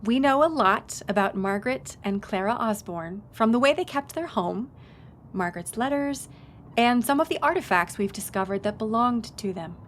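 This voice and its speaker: A woman's voice: fairly high pitch, lively intonation, normal speed, lightly acted. Woman playing a conversational museum tour guide, noisy background. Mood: informative, engaged. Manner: conversational, informative, engages the listener with questions. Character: friendly, knowledgeable woman tour guide at a historic house. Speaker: historic house tour guide. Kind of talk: audio roleplay, guided tour narration.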